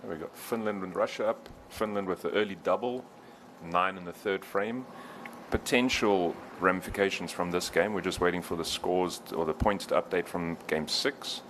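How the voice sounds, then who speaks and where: A man commentating a sports qualifier, calmly explaining standings and possible ties. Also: deep voice, normal speed, a little hiss or hum. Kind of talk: play-by-play commentary.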